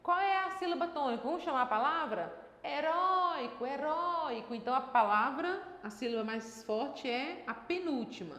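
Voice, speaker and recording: Female grammar teacher, higher voice, explanatory and checking in with the class, recorded in a roomy space with long reverb. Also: animated, normal speed, hardly any pauses, a bit bright. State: dry throat. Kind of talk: exam-prep grammar lesson. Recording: echoey room with long reverb.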